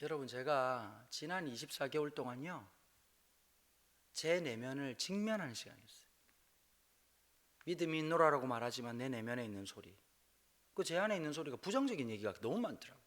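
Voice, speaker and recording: A male pastor from Busan, preaching a revival sermon in a church with humor, moving between quiet asides and loud exclamations. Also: mid-range voice, expressive, fairly quick, long pauses. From Busan, South Korea. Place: church sanctuary.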